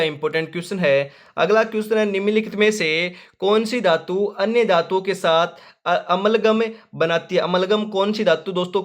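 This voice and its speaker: A man's voice: fairly high pitch, fairly bright tone. Emphatic young male exam-prep teacher. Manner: repetitive, emphatic, addresses viewers as friends. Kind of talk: quiz-answer lesson for an exam.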